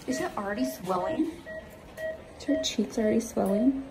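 A woman's voice: mid-range voice, big pitch swings, moderate pace. A woman chatting casually with someone she is looking after. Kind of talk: casual chat with a patient. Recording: background music.

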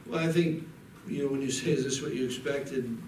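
A middle-aged man, a head coach at a postgame press conference, talking haltingly with many restarts into a desk mic. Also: medium pitch, darkish tone. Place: press room in front of a backdrop. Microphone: table mic on a desk. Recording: echoey room, mic a bit far, audible noise.

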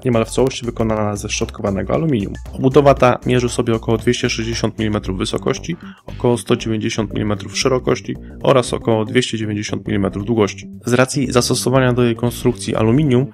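Male reviewer, mid-pitched, slightly gravelly, measured scripted voice-over with faint music underneath. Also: a little mellow. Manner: precise, measured technical delivery. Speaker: hardware reviewer.

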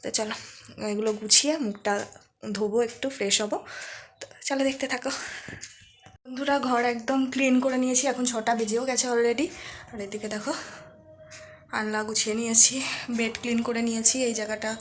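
A woman vlogger with a slightly high voice, chatting to her viewers like friends as she narrates her day. A faint hiss of noise sits under the voice. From Bengal. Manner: talks softly so the child keeps sleeping. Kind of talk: casual vlog voice-over.

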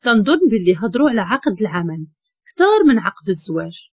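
A woman's voice: medium pitch, big pitch swings, quick pace, breathy edge, no room sound. A woman with a Moroccan accent narrating a first-person story in a chatty manner with humorous asides. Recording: dull lo-fi recording.

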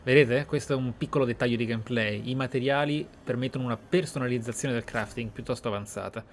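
A man's voice: medium pitch, steady tone, quick pace. Theatrical man over noisy game ambience. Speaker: video game player and narrator. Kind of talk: roleplay let's play commentary, in-character musing and reading aloud. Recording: clear background noise, game ambience. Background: video game ambience.

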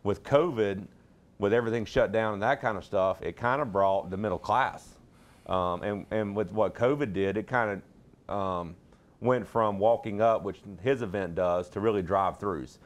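A man's voice: on the low side, moderate pace. A middle-aged man, a pastor, talking in a plain-spoken, rambling, folksy way in a TV studio interview on a lapel mic. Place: TV studio set.

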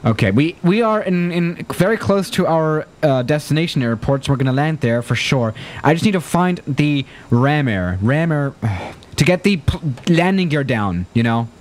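A young adult man with a slightly high voice, talking at normal speed, live-streams a flight sim from a small room on a studio desk mic. He chats loosely and excitably, then gets flustered whenever something breaks or an emergency hits.

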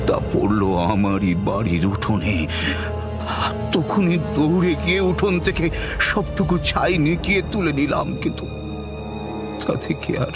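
A penitent man in a horror radio drama, tormented by guilt. He speaks low and slowly, with dramatic swings of pitch and anguished pauses. Prominent music plays behind him. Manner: halting, dramatic, anguished confession. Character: remorseful Bengali elder brother confessing a sinful occult curse.

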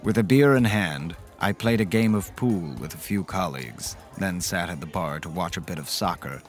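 An actor playing a caring, reflective man who recounts eerie events in measured, dramatic first-person horror narration. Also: deep voice, lightly acted. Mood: uneasy, reflective. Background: music underneath.

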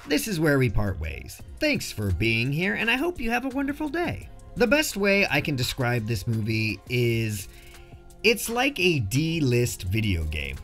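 Animated man reviewing a film. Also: medium pitch. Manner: jokey, slangy delivery. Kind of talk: casual scripted review narration.

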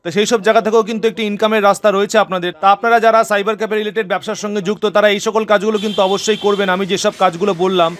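A man's voice: high voice, fairly even intonation, very fast, hardly any pauses. A young man with a Bengali accent, a cyber cafe owner narrating an instructive voice-over and addressing viewers as friends. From West Bengal, India.

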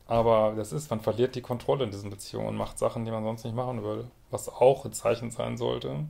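A male psychologist reading a viewer's letter aloud and commenting on it bluntly, often ending his points with a quick tag question. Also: medium pitch, fairly even intonation, gravelly, a little mellow. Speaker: psychologist and couples therapist.

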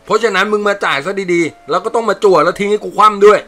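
A man voicing a brash, quarrelsome male soldier who talks loud and coarse. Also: high voice, rapid-fire, soft background music, pitched above the performer's own voice. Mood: bickering.

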